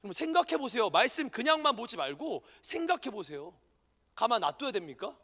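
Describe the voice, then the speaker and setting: A male pastor preaching an impassioned sermon to a youth congregation, swinging from hushed asides to shouted peaks and asking the listeners frequent questions. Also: very high voice, big pitch swings, brisk. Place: church hall during a youth service. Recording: echoey church hall with long reverb.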